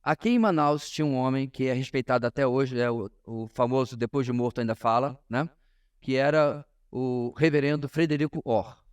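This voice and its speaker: A man with a Brazilian Portuguese accent teaches a church class as a pastor, in an informal sermon style, emphatic and often pausing to address his listeners directly. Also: mid-range voice, clean tone. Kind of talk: informal sermon-like lesson to a congregation.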